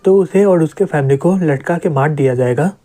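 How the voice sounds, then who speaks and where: Fierce young vampire woman, wary, proud, mellow tone, voiced by a man. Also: on the high side, normal speed, lightly acted.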